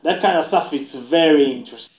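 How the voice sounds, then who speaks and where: A man with a slightly raised voice, chatting loosely and often restarting his sentences. His voice carries a clear echo from the room, and the audio sounds dull and lo-fi. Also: a little high, fast talker. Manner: rambling, with frequent restarts. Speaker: podcast co-host. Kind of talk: casual gaming chat.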